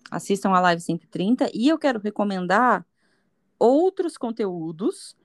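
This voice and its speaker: A woman's voice: medium pitch, big pitch swings, normal speed, dry recording. Woman explaining parenting. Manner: explaining and advising. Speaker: podcast host, child-rearing educator. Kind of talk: casual explanatory chat.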